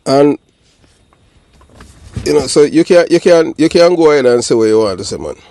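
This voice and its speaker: A man's voice: fairly high pitch, expressive, normal speed, warm tone. Jamaican man in his fifties, emphatic and repetitive. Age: 50s. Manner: repetitive, emphatic, asks for confirmation. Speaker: online show host. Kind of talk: casual phone conversation and commentary.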